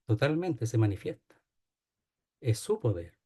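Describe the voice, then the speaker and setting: A man's voice: medium pitch, big pitch swings, a little slow, a little mellow, breathy edge. A man teaching a Bible study, explaining a passage and often checking in with "¿ya?". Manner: explanatory, repeats key phrases, asks "¿ya?".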